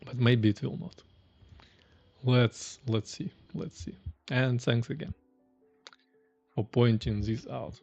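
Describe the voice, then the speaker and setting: A man's voice: medium pitch, fairly even intonation, slow pace, pauses often, darkish tone, lo-fi sound, faint music behind. A man, chatting casually while live-coding and thinking aloud on a stream from a small room. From Russia. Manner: thinking aloud, chatty, reading chat questions. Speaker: streamer, indie developer.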